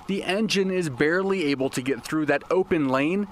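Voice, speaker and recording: A man's voice: on the high side, normal speed, a little hiss or hum. A man narrating a scripted investigative TV news report as the reporter, with emphatic, punchy delivery.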